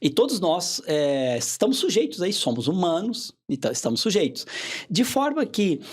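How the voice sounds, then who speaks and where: Guy, hypnotherapist on a podcast, calm teacher-ish explaining, lots of tag questions. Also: sits high, normal speed, slightly rough. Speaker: hypnotherapist guest.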